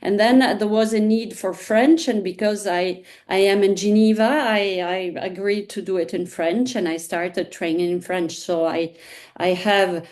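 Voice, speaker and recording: Woman trainer, mid-pitched, stop-start delivery with lots of fillers. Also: steady tone, a little mellow. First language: Italian. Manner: halting, many restarts and fillers. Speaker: hypnosis trainer. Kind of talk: casual interview chat.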